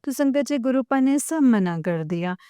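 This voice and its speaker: A woman's voice: on the high side, lively intonation, normal speed, dark tone, clear, resonant tone, no echo, clean studio sound. A woman tearfully sharing a devotional testimony, emotionally addressing the congregation again and again. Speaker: devotee sharing her experience.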